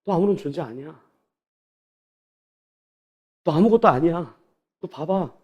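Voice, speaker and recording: The voice of God speaks bluntly and commandingly, as a preacher puts him on. It addresses the listener directly in short, plain sentences. The pitch sits fairly high for a man. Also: lively intonation, a little slow, husky. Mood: stern.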